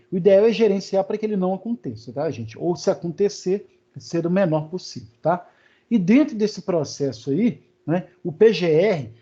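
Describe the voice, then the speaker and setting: Brazilian male lecturer, husky mellow voice, loose conversational delivery, lo-fi video-call audio. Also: sits high. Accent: Brazilian Portuguese. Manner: conversational, many fillers and check-ins with students. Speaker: university lecturer. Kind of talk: live online lecture. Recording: dull, lo-fi online class audio.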